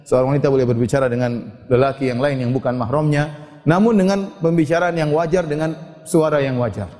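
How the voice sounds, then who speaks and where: A male Islamic preacher, lecturing a women's audience and reciting scripture slowly before explaining it. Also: medium pitch, a little mellow. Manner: recites Arabic verses slowly then explains. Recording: long hall reverb.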